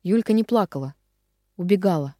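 A woman narrating a romance audiobook dramatically, slowing on the heavy phrases. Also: on the low side, lively intonation, dark tone, no echo, studio quality.

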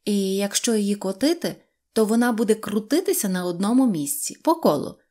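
A woman reads a children's story aloud with expressive, lively storytelling. Her voice sits at an ordinary middle pitch. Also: a little fast. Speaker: narrator. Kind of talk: children's audiobook narration.

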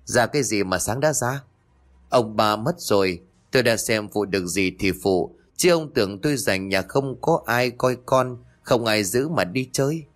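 A man voicing a sharp-tongued rural wife and mother who answers back with quick, scolding retorts in a raised, fast voice. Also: fairly low pitch, animated, natural voice. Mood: annoyed.

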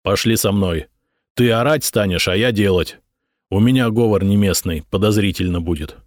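A man's voice: lowish voice, moderate pace, no room sound, studio quality, natural voice. A man voicing a blunt, businesslike gang leader. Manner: matter-of-fact, decisive.

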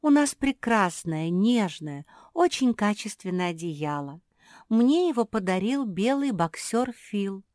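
A woman voicing a gentle, motherly black female pug who speaks in a tender, coaxing way. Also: medium pitch, sing-song, unhurried, no room sound, clean studio sound, voice pushed up.

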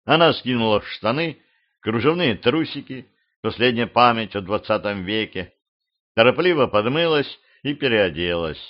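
A man reading an audiobook as narrator, with steady, even storytelling. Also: mid-range voice, normal speed. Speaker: audiobook reader. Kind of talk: scripted narration. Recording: slightly dull lo-fi audio.

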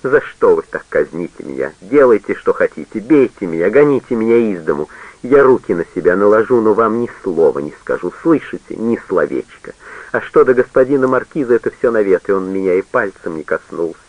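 A man's voice: low voice, fairly quick, few pauses, no echo, phone-quality sound. A man voicing a tearful, defiant teenage girl who pleads in a childlike way. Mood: desperate.

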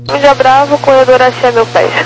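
A woman's voice: high-pitched, steady tone, fast. A woman working as an air traffic controller, giving clipped instructions over a walkie-talkie style radio. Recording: noisy radio with hum.

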